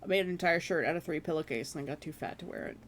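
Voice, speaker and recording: A streamer chatting casually with viewers from their room at home, rambling and laughing at themselves, with a hoarse voice that is giving out. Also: mid-range voice, very fast, a bit bright, a little hiss or hum. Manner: rambling, self-deprecating, laughs often. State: hoarse, losing voice.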